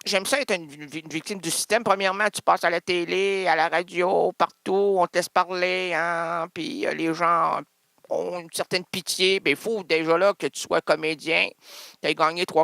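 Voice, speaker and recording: A man's voice: on the high side, fairly even intonation, unhurried, creaky, sharp tone, no echo. A man with a Québécois accent doing improvised absurd comedy, with hesitant, repetitive and stammering talk. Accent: Québécois French.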